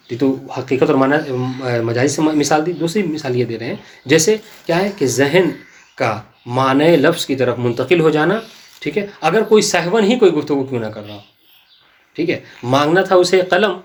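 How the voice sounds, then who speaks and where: A man's voice: fairly high pitch, animated. A man teaching a class on legal theory. He recites passages of Arabic text, explains them, and keeps asking his students whether they follow. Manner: quizzes students, checks understanding often.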